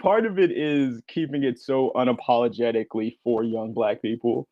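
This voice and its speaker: Male podcast creator as panel guest, mid pitch, chatty storytelling with voiced quotes, muffled lo-fi audio. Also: moderate pace, dark tone, no room sound. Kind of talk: conversational panel answers. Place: remote online panel.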